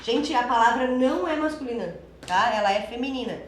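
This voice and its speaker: A woman's voice: a little high, animated, a little fast, echoey room, a little hiss or hum. A young adult woman teaching Spanish for an exam, explaining step by step in a chatty way and checking in with her students often. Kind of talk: exam-prep lesson.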